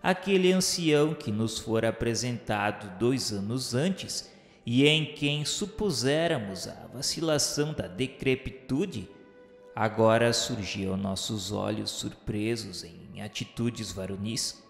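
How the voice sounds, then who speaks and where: Male Brazilian narrator for a solemn radio novela: slow, formal delivery, long hall reverb. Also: medium pitch, animated, creaky. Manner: formal, declamatory, measured. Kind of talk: solemn, literary scripted narration. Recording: echoey hall-like reverb under music. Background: music.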